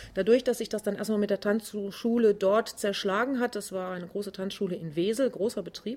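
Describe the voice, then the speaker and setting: Here a woman speaks in an ordinary speaking voice at a medium pitch, with fairly even intonation. She moves at a fairly quick pace with hardly any pauses. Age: 50s. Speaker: belly dance teacher and dance studio owner. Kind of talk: interview.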